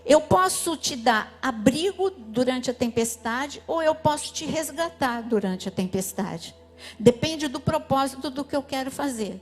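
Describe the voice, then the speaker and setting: A Brazilian woman preaches to a congregation in a high, bright voice, swelling and easing as she stresses each point. She calls on the listeners to repeat lines after her. Soft music plays faintly underneath. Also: animated, a little slow. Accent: Brazilian Portuguese. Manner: emphatic, rising and falling, leads call-and-response with congregation. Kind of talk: sermon.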